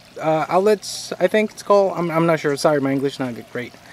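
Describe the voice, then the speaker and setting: A man speaks with ordinary pitch variation. The sound is dry and close with no echo, but there is noticeable background noise. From Nicaragua. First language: Spanish. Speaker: hobby aquaponics grower. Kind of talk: video tour of his system. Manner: halting.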